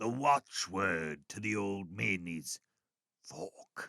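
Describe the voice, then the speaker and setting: A man does a raspy put-on character voice, very slow and lively in intonation, recorded dry and close with no echo. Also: fairly low pitch for a man. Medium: read story. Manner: pompous, florid.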